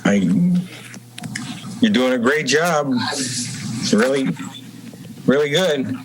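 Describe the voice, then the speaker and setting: A man chairing a public meeting in formal procedural language, speaking in a halting, deliberate way. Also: medium pitch, background noise. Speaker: commission chairman. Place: remote meeting over Zoom.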